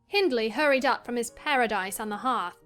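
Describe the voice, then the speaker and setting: A woman reading the part of a headstrong young girl recounting her diary with lively indignation. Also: a little high, fairly quick, soft background music. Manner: lively, indignant first-person storytelling. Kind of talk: dramatized audiobook reading.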